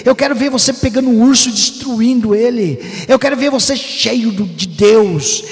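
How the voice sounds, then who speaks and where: A man preaching a fervent Pentecostal sermon, breaking into shouts and sing-song phrases. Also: very high voice, normal speed, long reverb tail, soft background music. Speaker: pastor. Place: church hall.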